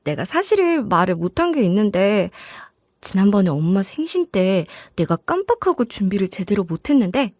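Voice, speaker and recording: A woman's voice: on the high side, darkish tone, no room sound, studio quality. A woman voicing a chatty young daughter proudly gushing about her boyfriend in a dramatized story. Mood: proud, confiding.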